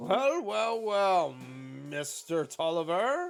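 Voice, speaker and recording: A put-on character voice at a middle pitch. The pace is very slow. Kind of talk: drawling, swaggering. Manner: blustery, drawn out.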